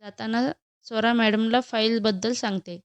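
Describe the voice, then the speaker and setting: A nervous young woman employee who stammers and hesitates, as a woman narrator voices her in a storybook. Her voice is smooth and fairly high, recorded close and dry. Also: fairly even intonation, normal speed, no room sound, lo-fi sound, natural voice. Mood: flustered.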